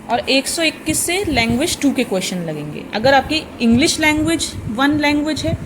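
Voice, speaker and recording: Woman tutor, patient step-by-step explaining, talks to viewers as friends, noisy background. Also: fairly high pitch. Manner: repeats points patiently, addresses viewers as friends. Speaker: exam prep teacher.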